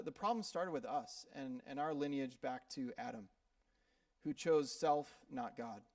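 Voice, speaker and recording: A man from Minnesota preaches to his church in a relaxed, conversational style, often stumbling over and repeating words. His voice sits a little high for a man. The sound is dry and a bit distant, as if the mic is some way off. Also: no room sound. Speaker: pastor. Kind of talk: sermon. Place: church sanctuary.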